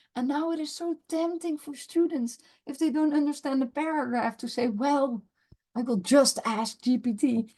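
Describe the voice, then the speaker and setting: A woman speaks with a Dutch accent at a moderate pace. Her pitch is high, with ordinary variation. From Netherlands. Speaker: professor. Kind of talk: interview.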